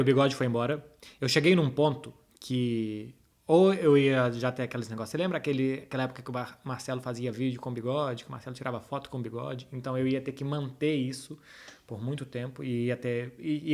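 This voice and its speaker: A man with a Brazilian Portuguese accent talking informally and directly to his audience as the host of a football chat. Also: mid-range voice. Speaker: host answering viewers' football questions. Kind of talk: casual chat to followers, football analysis.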